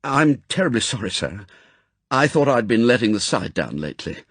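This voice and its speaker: A man's voice: mid-range voice, big pitch swings, moderate pace, a bit bright, husky, no room sound, voice pushed up. Audiobook role: earnest male agent, voiced by a male narrator, polite subordinate, slightly self-doubting, dry close sound. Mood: deferential. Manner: respectful, apologetic, polite. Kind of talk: audiobook character acting.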